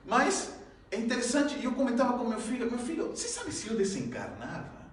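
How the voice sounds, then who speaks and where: Animated man telling stories in an echoey hall. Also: very high-pitched, a little fast, slight background noise. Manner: lively, acts out his own shouts and gasps, laughs often. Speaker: spiritist lecturer. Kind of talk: public talk, humorous storytelling. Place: lecture hall. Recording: very echoey hall, mic at a distance.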